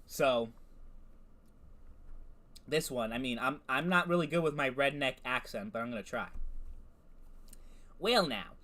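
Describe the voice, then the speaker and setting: Reading chatbot responses aloud for a laid-back gaming video, a man reacts with laughs, profanity and jokes at his own expense. His mid-range, somewhat bright voice moves at a normal speed, broken up by long pauses.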